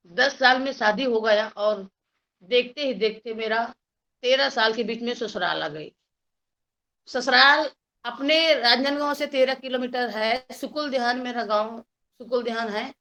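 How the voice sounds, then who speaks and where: Unhurried and forceful, her fairly high, bright voice carries her personal life story as a guest. This woman from Chhattisgarh, India, speaks with a Chhattisgarhi accent and performs the voices of those she quotes, captured on dull lo-fi audio.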